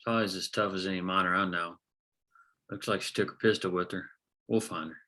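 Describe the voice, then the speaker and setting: Cautious, level-headed man, acted by a male reader: plain-spoken, reasoning, strikingly bright and forceful, drama. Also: low-pitched, fairly even intonation, fairly quick. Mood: concerned, steady. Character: level-headed, cautious ally urging restraint. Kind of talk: script table read.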